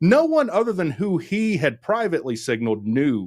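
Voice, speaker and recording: Very clean audio with a silent background, in an American accent. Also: man. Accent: redneck. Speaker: livestream host. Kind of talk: casual chat. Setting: livestream.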